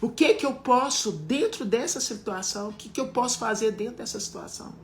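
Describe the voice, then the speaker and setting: A woman's voice: fairly high pitch, brisk, a little hiss or hum. A middle-aged woman preaching a live-streamed sermon, fervent and exhorting, with repeated phrases.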